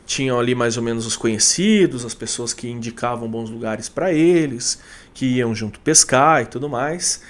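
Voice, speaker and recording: A man's voice: mid-range voice, moderate pace. A man hosting a channel, telling supernatural fishing tales in a loose conversational way with many fillers and restarts. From Brazil. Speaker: storyteller host of a channel. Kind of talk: casual storytelling of supernatural tales.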